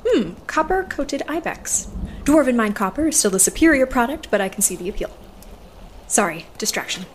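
A woman's voice: on the high side, big pitch swings, normal speed, slight background noise. A woman playing a serious, direct and politely formal temple sister in an audio drama. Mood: serious, insistent. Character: businesslike, earnest temple sister seeking a monster hunter.

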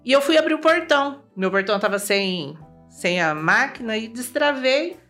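A Brazilian woman as an interview guest, telling a personal story in a lively way, acting out remembered dialogue and often tagging her sentences with "né?". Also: a little high, moderate pace, faint music behind. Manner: lively, acts out remembered dialogue, tags lines with "né?".

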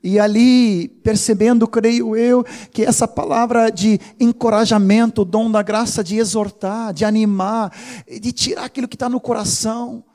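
A man, preaching a sermon as pastor, animated and teasing, with informal asides. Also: high-pitched, moderate pace.

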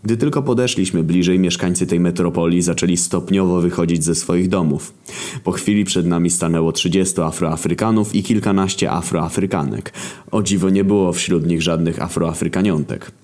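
A man narrating a crude comic story in a deadpan, sardonic way. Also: low voice, moderate pace.

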